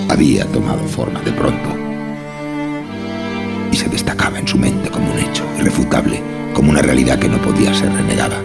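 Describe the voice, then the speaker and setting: A man narrating a scripted horror story. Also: very deep voice. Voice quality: gravelly. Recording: music behind the voice.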